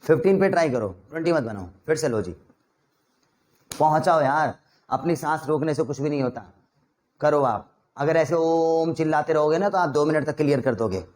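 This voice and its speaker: Energetic Indian man teaching spoken English. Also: on the high side, normal speed. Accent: Indian, mixing Hindi and English. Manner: energetic, coaxing drill instructor. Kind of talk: online spoken English lesson.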